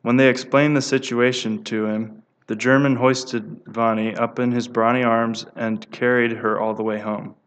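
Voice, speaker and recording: A man reads devotional stories aloud in a steady, earnest way. His voice sits in the middle range for a man, and he now and then stumbles and restarts a word. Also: mid-range voice, normal speed, few pauses. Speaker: speaker giving a devotional talk.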